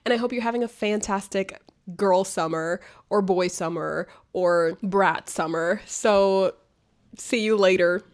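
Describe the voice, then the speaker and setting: A woman's voice: medium pitch, a little slow. A young woman vlogging a casual life update, chatty and rambling, her voice nasal and congested from a cold. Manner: chatty, rambling, affectionate, laughs often. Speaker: booktuber vlogger.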